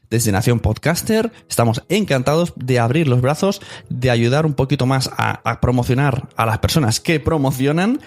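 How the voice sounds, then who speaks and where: Male podcast host, medium pitch, easygoing conversational delivery. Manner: relaxed, conversational, anecdotal. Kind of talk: casual podcast news segment.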